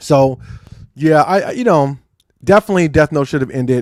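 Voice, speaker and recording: With lively intonation and an energetic tone, a man is heard on a very clean recording with a silent background and a dry, close sound with no echo. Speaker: anime content creator and streamer. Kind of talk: live stream chat. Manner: casual, energetic.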